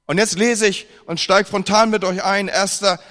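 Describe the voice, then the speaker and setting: A high-voiced man from northern Germany preaches at a moderate pace to a seated congregation, his words echoing through a hall with long reverb. He's lively, blending scripture reading with wry, humorous retellings full of mock dialogue.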